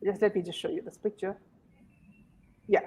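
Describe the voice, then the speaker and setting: A woman's voice: mid-range voice, steady tone, moderate pace, dark tone, husky. Female host, casual commentary, heavy filler words. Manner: many fillers and "you know"s.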